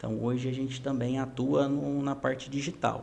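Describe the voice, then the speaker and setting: Flat and monotone, the man's voice stays at a medium pitch. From Brazil, Goiás (Jataí). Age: 30s. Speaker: business owner. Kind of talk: podcast interview. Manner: hesitant, many fillers.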